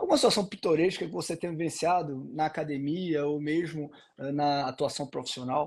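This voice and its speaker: Here is a man with an unremarkable speaking voice. His pitch is fairly high for a man. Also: ordinary pitch variation, quiet background. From Northeast Brazil, Recife. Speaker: law professor and live-stream host. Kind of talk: live-stream interview.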